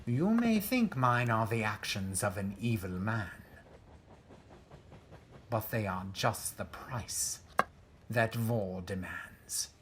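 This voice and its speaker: Smug nazi general, slow and theatrical, swingy pitch, bit of noise. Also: male voice, expressive. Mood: grandiose, bitter. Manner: pompous, theatrical, mock-courteous. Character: ruthless, smug Nazi general, coldly polite villain. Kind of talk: audio drama acting.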